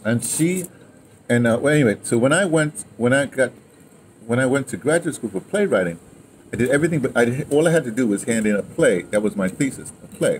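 A man's voice: medium pitch, expressive, brisk. Older American man reminiscing over background noise. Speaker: interview guest, playwright and audio dramatist. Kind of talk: casual reminiscing conversation. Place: outdoor patio table. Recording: noisy outdoor ambience on open mic.

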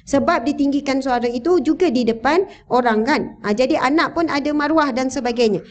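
A woman religious teacher with a Malaysian Malay accent, giving a lively talk in a mosque and quizzing the audience. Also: sits high, fairly quick. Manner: animated, addresses the audience with questions. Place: mosque hall, indoors. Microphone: handheld or lapel microphone, standing.

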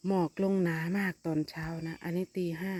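A woman, chatting casually outdoors in front of her house while feeding stray cats, coaxing them in a high voice now and then. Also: little pitch movement, fairly quick, mellow, no room sound. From Thailand. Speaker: vlogger.

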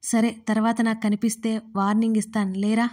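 Give me a woman playing an exasperated young man, mock-stern, in a dark, even voice. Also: fairly high pitch, brisk, close to an everyday voice. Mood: teasing.

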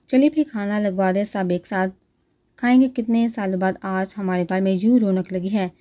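A woman's voice: medium pitch, fairly even intonation, warm tone, close to an everyday voice. A woman voicing a gracious, courteous elderly grandfather who speaks formally in a storybook reading. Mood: warm.

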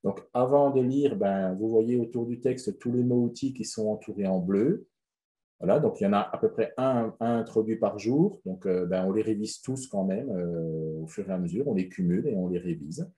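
A man's voice: lowish voice, mellow. A man presenting a webinar on a reading method, explaining in a loose, hesitant way with many fillers and restarts.

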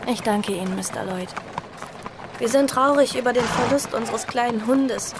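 A woman playing a young survivor who tells her own story in an audio drama, earnest, sorrowful and measured. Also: a little high, background noise, lightly acted. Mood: subdued. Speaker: narrator and protagonist. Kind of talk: audio drama first-person narration.

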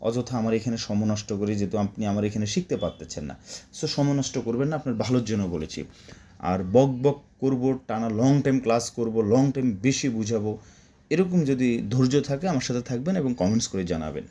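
Bengali guy teaching arabic phrases, goes up and down a lot, mellow tone, repeats stuff over and over. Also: mid-range voice, expressive, fast. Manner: repetitive, drilling words, chatty asides. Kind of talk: spoken Arabic lesson for Bangla speakers.

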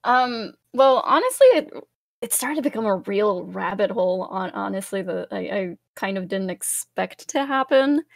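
A woman's voice: medium pitch, expressive, normal speed, creaky, no room sound, studio quality. A woman chatting casually as an interview guest in a cute, bubbly streamer manner, rambling along.

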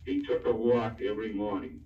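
Man, lowish voice, measured test-sentence reading, hissy vocoder, dull lo-fi sound. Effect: hissy vocoder-coded speech. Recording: lo-fi disk playback, echoey and distant.

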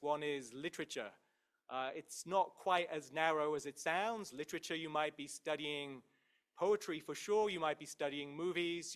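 Higher-pitched man giving a university talk. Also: a bit bright. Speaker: professor, head of a university English department, giving an introduction. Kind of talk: admissions talk to prospective students.

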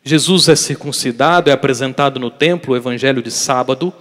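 A man preaching a daily catechesis sermon as a priest, emphatic and putting rhetorical questions to his listeners, his voice swinging between loud and soft for emphasis. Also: mid-range voice, fairly quick. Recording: long reverb of a large hall.

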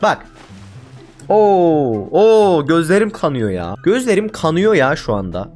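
A man's voice: fairly high pitch, big pitch swings, measured pace, darkish tone, faint music behind. A man giving casual commentary over his own gameplay, exasperated and ranting at his teammates. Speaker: gaming YouTuber.

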